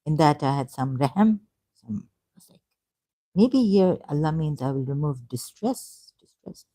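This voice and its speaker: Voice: medium pitch, lively intonation, measured pace, dark tone. A vlogger talking in an unscripted monologue about religious texts, rambling and hesitant, often stopping and restarting and asking rhetorical questions.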